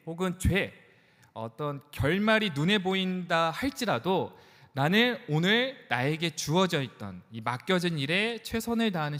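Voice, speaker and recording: A man's voice: high voice, fairly bright tone. A man in his thirties, a pastor preaching to young adults in a conversational, joking way, in a church. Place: church sanctuary. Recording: church hall reverb.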